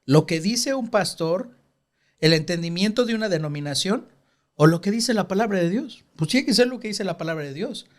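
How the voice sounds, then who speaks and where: A man's voice: sits high, expressive, normal speed. A man hosting a Christian podcast, explaining scripture earnestly in a casual chat. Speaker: podcast host.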